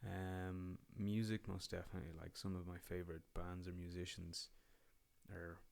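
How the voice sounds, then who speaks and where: A deep-voiced Irish man, a guest on a podcast, talking in a loose and casual way. He rambles, restarts his sentences and drops the odd swear word. His low voice has a gravelly, creaky edge. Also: level tone, normal speed, a little mellow. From Ireland. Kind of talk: casual conversation.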